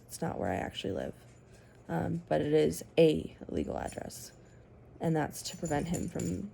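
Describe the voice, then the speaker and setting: A woman giving a personal testimony to the camera, speaking in a halting, measured way with frequent pauses. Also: low-pitched, creaky, dark tone, a little hiss or hum. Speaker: survivor sharing her story.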